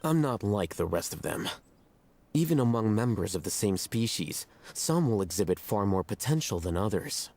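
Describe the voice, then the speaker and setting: A man playing an arrogant, cool-headed scholar in a fantasy video game, speaking in a measured, formal, condescending way. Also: on the low side, sing-song, a little mellow. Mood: coolly analytical. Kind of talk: scripted video game dialogue.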